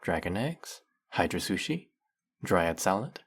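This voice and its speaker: Fantasy audio drama: man as zealous demon servant, deep husky voice, grandly reverent, flirtatious and fawning. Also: very animated, unhurried, exaggerated voice. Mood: apologetic, servile. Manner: grandiose, theatrical, reverent, obsequious.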